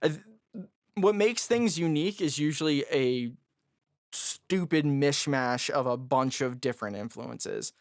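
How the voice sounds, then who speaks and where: A man with a raspy, somewhat high voice, chatting loosely as a podcast guest. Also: measured pace, no room sound, studio quality. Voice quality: raspy, higher voice. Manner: loose and jokey, lots of fillers. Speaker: guest musician. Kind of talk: casual podcast conversation.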